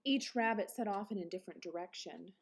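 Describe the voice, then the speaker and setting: A woman reading a children's picture book aloud like a teacher, with dramatic emphasis and quieter explanatory asides. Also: mid-range voice, brisk, slight background noise. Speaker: read-aloud presenter, teacher. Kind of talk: expressive children's storybook narration with explanatory asides.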